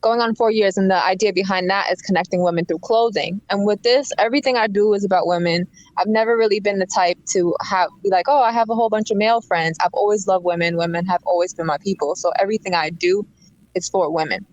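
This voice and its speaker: A woman's voice: medium pitch, quick pace, no echo, lo-fi sound. A woman in her late twenties, a podcast guest, speaking earnestly and from the heart in casual chat. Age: 20s.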